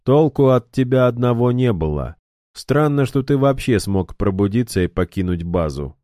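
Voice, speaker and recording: A man voicing a created guardian who answers in a cold, flat, terse way. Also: mid-range voice, moderate pace, no room sound, studio quality, voice pushed up, natural voice. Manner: cold, flat, sparing with words.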